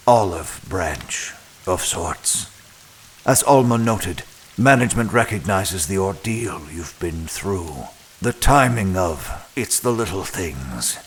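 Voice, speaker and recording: An actor playing a composed, evasive keeper of a mysterious prison manor, formal and guarded, in an audio drama. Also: male voice, deep voice, slight background noise, poor audio.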